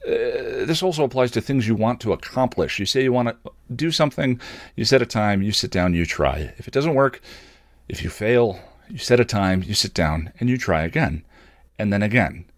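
A middle-aged man hosting an online show, speaking in a candid, halting, thoughtful personal monologue. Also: mid-range voice, animated, no echo, studio quality.

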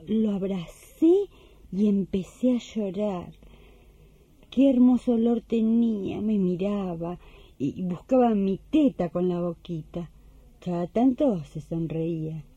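A woman's voice: medium pitch, lively intonation, slow, dark tone, breathy edge, dry recording. Actress as devout young mother, muffled Rioplatense Spanish. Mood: tender, moved. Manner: chatty, heartfelt, colloquial. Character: emotional devout young mother pilgrim recalling childbirth. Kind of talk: Spanish-language radio drama acting.

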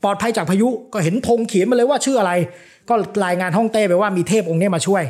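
A man's voice: high-pitched, darkish tone. A man hosting a casual talk show, explaining at length with frequent fillers and repeated agreement. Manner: fast, explains with many "ah" fillers and repeated "yes yes". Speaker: podcast host, philosophy lecturer.

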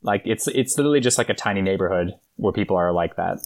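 A man from the United States speaks as a guest in a relaxed interview. He rambles and often restarts his sentences while he talks about himself. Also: sits low, quick pace. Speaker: guest, improv teacher. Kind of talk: casual interview.

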